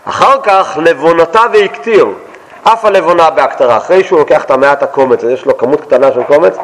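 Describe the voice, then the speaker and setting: A man's voice: medium pitch, long reverb tail, rough recording. A man teaching a text study lesson, quoting each verse and then explaining it in plain everyday words, often asking and answering his own questions. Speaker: Torah teacher.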